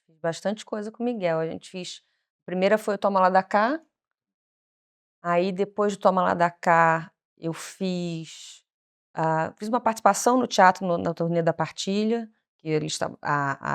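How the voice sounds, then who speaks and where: A woman guest on a talk show, telling stories from her career with some gravel in her voice. She acts out the people she quotes and keeps a casual, conversational tone. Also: on the low side, moderate pace. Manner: animated storyteller, acts out quoted dialogue. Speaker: guest, actress and singer. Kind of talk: casual interview chat.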